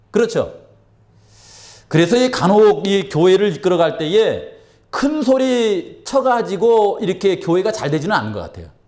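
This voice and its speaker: A man with a high-pitched voice speaks at a fairly slow pace, using lively intonation. Long, frequent pauses break up his speech, and there is audible room echo. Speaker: pastor. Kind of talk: sermon. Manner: conversational, rhetorical questions to congregation.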